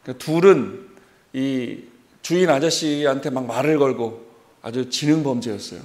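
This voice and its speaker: A man in his forties preaching a sermon, telling a personal story in an animated way and acting out remembered dialogue. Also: mid-range voice, unhurried. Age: 40s.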